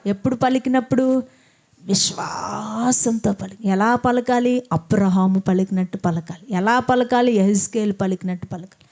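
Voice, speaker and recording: A woman's voice: mid-range voice, moderate pace, creaky, darkish tone, muffled recording. A woman preaching a sermon who asks the congregation questions, answers them herself, and leads them in prayer.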